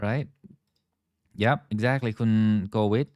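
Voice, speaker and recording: A man's voice: medium pitch, steady tone, drawn-out words, darkish tone, no room sound, clean studio sound. A man teaching a live online English lesson, switching between English and Thai, drilling pronunciation and greeting viewers by name.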